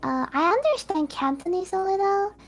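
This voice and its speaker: High-voiced young woman. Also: very animated, normal speed. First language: Chinese. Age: young adult. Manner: modest, hesitant, simple phrasing. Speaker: guest. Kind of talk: casual streamed chat.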